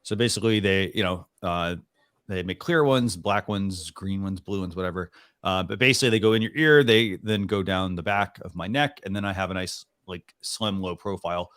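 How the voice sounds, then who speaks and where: A man's voice: sits low, moderate pace, fairly bright tone, no room sound, clean studio sound. A man co-hosting a live stream, chatting casually in a rambling way with lots of restarts. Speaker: co-host of a live stream show.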